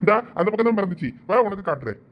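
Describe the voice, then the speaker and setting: A man's voice: sits high, animated, very fast. A man voicing a sly, scheming young man in a cartoon, with a Thoothukudi Tamil accent. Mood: coaxing. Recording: dull lo-fi sound.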